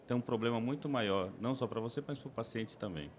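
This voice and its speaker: A man's voice: medium pitch, brisk, a little hiss or hum. A man from the interior of São Paulo, a guest endoscopist explaining his work in a podcast interview, with frequent restarts and fillers. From interior of São Paulo state, Brazil.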